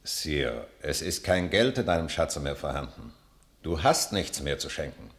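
A worried, loyal servant of a medieval king. His deep voice is grave and formal, in classic radio-play style. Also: big pitch swings, measured pace, exaggerated voice. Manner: sober, formal. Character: grave, worried loyal royal courtier and treasurer. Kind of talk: classical radio drama acting.

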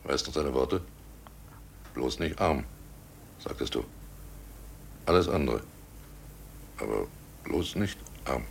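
A very deep, gravelly domineering innkeeper. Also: male voice, lively intonation, slow pace, long pauses, slight background noise, heavily acted. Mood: tense, urging. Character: guilty village innkeeper, domineering and slyly jovial. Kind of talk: German radio play acting.

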